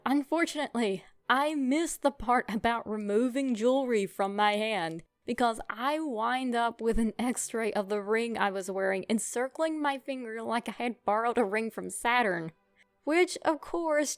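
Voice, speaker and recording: A young woman narrating a comic childhood story in a wry, self-mocking, expressive way. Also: on the high side, no echo.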